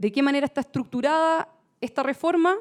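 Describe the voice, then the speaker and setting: A woman talks at a very fast pace and a high pitch with ordinary pitch variation, in a very clean recording with a silent background and a dry, close sound with no echo. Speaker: constitutional lawyer, lecturer. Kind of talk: lecture. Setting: videoconference.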